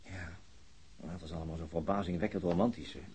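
Tired wounded cop dad in a radio drama, sardonic n gloomy, really husky, low mellow voice. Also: male voice, fairly even intonation, fast. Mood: bitter, brooding. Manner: subdued, weary, sardonic, hesitant. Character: gloomy, wry wounded policeman, father recovering in hospital. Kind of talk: naturalistic radio play acting.

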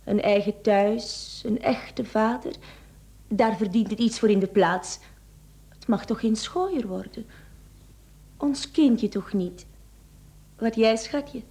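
An actress playing a wistful, coaxing mistress in a radio play, with a sugary, insinuating manner. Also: female voice, a little high, slow, pauses often, warm tone. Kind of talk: Dutch-language radio play acting.

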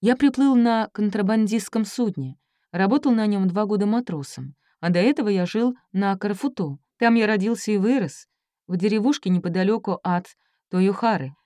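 A woman narrator voicing a reserved seventeen-year-old Japanese youth who gives quiet, clipped answers under questioning. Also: mid-range voice, moderate pace, no room sound, clean studio sound, natural voice. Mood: guarded.

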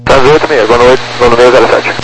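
A man's voice: medium pitch, steady tone, fast. A man with a Brazilian accent, an airline pilot giving clipped readbacks over aviation radio. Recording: very noisy, humming cockpit radio.

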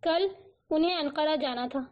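A woman narrating a novel as an audiobook, with a steady, even storytelling delivery. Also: high-pitched. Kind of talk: scripted novel reading. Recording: dull lo-fi recording.

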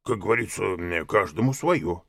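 A man doing a gravelly, mumbling old bear. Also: fairly low pitch, expressive, fairly bright tone, no room sound, clean studio sound, heavily acted. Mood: mumbling, placid. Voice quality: gravelly, husky. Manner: mumbling, hesitant with drawn-out fillers. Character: slow easygoing old male bear. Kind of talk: audiobook character voice.

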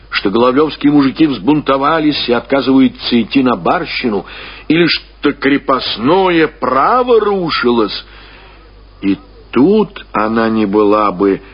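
A man narrating classic literature for radio, in a measured, expressive storytelling manner with weighty pauses. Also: mid-range voice, husky, highs cut off.

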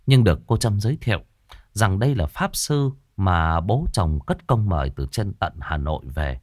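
A man narrating a ghost story in an expressive, lively storytelling manner. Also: low-pitched, moderate pace, dry recording, clean studio sound.

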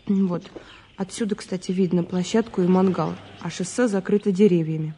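A woman's voice: on the low side, fairly even intonation, normal speed, mellow, a little hiss or hum, lightly acted. An actress playing a chatty, opinionated young woman witness in a naturalistic audio drama, talking colloquially and dismissively. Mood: earnest, recalling. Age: young adult. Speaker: actor in an audio play. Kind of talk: naturalistic radio drama dialogue.

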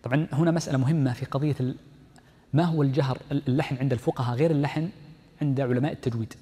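A sheikh giving a fast-paced classroom lesson in a warm, slightly husky voice, reading lines from the book and then explaining them with frequent repetition. His voice carries a long reverb from a large lecture hall. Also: medium pitch, fairly even intonation. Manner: explains step by step, repeats key phrases, reads the text aloud then comments. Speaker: sheikh teaching Islamic jurisprudence.

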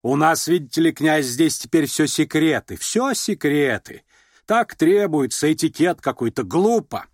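A commanding noblewoman of middle years , voiced by a man reading an audiobook, snaps and scolds in a raised, lifted voice. Her speech swings widely in pitch, full of scorn. The sound is close and dry. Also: sing-song, a little slow, dry recording, exaggerated voice. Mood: irritated. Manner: haughty, scolding, abrupt. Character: imperious middle-aged noblewoman, irritable, sharp-tongued mother.

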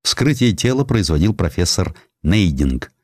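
A man reading a historical sketch as an audiobook narrator, in an expressive, dramatized storytelling manner. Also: deep voice, a little slow, no room sound, studio quality. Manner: expressive storytelling, voicing quotations.

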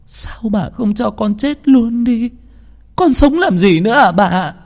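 A man's voice: medium pitch, sing-song, moderate pace, mellow, echoey room, in a large hall, lightly acted. A man voicing a grieving young peasant mother who pleads through tears and swears revenge. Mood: pleading, despairing. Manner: sobbing, pleading.

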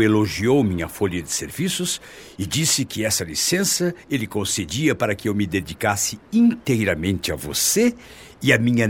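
Earnest father, deep, swooping Brazilian voice. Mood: glad. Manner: earnest, expressive. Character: devout, tender middle-aged father and grandfather-to-be. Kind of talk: radio drama acting. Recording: long reverb, clear background noise.

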